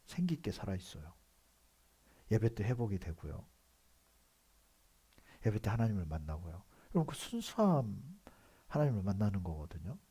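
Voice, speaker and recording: A male pastor with a Seoul accent preaching a sermon in a conversational way, moving between quiet asides and loud emphatic outbursts. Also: on the low side, very animated, normal speed, long pauses, breathy edge. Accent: Seoul Korean. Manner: conversational preaching with frequent affirming "yes" asides.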